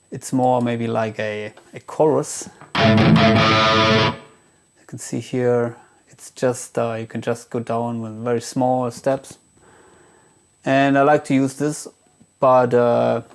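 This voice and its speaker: A man's voice: mid-range voice, little pitch movement, takes it slowly, pauses often, a little mellow, clear, resonant tone. A man giving a casual, unscripted guitar gear demo, thinking aloud in a hesitant way.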